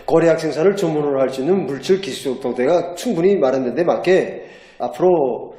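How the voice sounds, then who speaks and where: A man's voice: a little high, brisk, dark tone. A man with a North Korean accent giving a formal interview statement. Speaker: official interviewed. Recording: echoey room.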